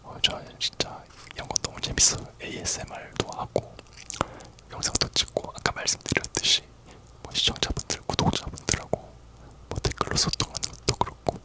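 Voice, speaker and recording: A person whispering a casual, rambling ASMR chat in a soft, unvoiced whisper. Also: fairly quick. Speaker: ASMR video creator.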